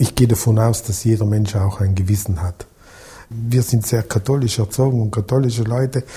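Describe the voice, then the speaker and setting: This man talks at a moderate pace in a dark, mellow, somewhat breathy voice, his intonation fairly even. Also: medium pitch for a man. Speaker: musician, victim's brother. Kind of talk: interview.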